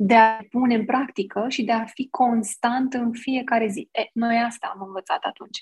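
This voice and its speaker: The speaker talks at a moderate pace with hardly any pauses and fairly even intonation. The sound is dry and close, with no echo. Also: woman, fairly high pitch for a woman. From Romania, Ploiești. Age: 40s. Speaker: content creator and entrepreneur. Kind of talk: podcast interview. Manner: halting, many fillers.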